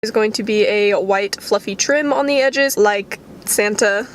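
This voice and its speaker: Higher-voiced young woman vlogging playfully. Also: a little hiss or hum. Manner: playful, slangy. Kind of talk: casual vlog chat.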